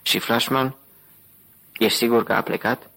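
A man reading as a calm ironic detective. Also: mid-range voice, creaky, pitched above the performer's own voice, rough recording. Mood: cool. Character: calm, cool-headed male detective.

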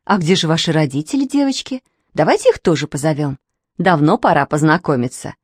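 A woman voicing a fussy, excitable, squeamish aunt in a storybook reading, with high shrill exclamations. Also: fairly quick, husky, dry recording, clean studio sound. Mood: cheery bustling.

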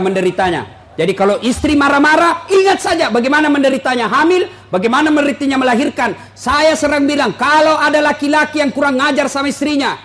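A man's voice: very high-pitched, a bit bright. A man preaching a humorous sermon to a live audience, joking and teasing listeners with questions.

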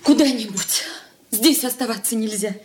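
An actress playing a proud, indignant young married daughter in a radio play, firm and reproachful. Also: female voice, fairly high pitch, normal speed, a little hiss or hum, natural voice. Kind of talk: 1980s radio play acting.

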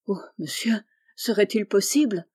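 A woman's voice: mid-range voice, lively intonation, unhurried, a little mellow, husky, dry recording. A woman reading aloud, voicing a poor young café waiter who answers timidly and humbly. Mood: humble.

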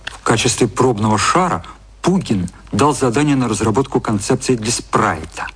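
A man narrating a literary radio play in a measured storytelling style. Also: medium pitch, animated, fairly bright tone, slightly rough.

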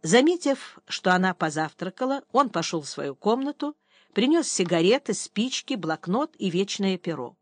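A woman narrating a literary novel as an audiobook, calm and even. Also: medium pitch, moderate pace, no echo.

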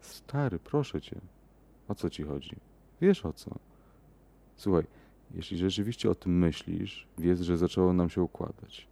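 A man's voice: low voice, a little slow, vocal fry, mellow, exaggerated voice. A man voicing an exasperated friend on the phone, pleading and incredulous.

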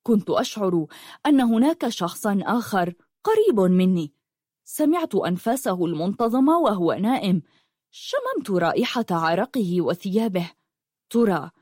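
A woman narrating in first person as a frightened, feverish man locked in a dark cell. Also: medium pitch, dry recording, studio quality, lightly acted. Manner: tense, dark, fearful.

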